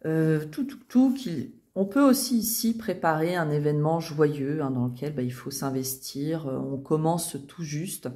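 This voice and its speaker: A woman's voice: deep voice, unhurried, few pauses, mellow. A woman giving a chatty tarot reading, with many fillers and restarts. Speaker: tarot reader. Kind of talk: casual tarot reading video.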